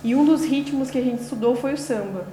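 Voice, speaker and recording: A young woman student leads an interview in a halting way, leaning on fillers as she searches for her words. Her voice sits a little above average in pitch. She is recorded in an echoey room with faint noise behind her. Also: mellow. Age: young adult. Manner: hesitant, many fillers and restarts. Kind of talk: casual interview questions.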